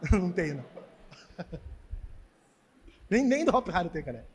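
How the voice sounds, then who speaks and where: A man preaching as pastor, telling a testimony with animated storytelling and emphatic exhortation. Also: high voice, normal speed, slight background noise. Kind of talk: sermon with testimony. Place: church hall. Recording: church hall reverb.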